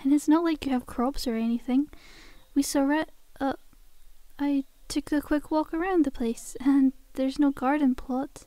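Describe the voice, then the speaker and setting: Girl doing a friendly zombie girl for asmr, soft mellow high voice, sly n coaxing, acts all innocent. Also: fairly even intonation, moderate pace, no room sound, lightly acted. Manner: coaxing, chummy, casual, faux-innocent. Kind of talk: ASMR roleplay acting.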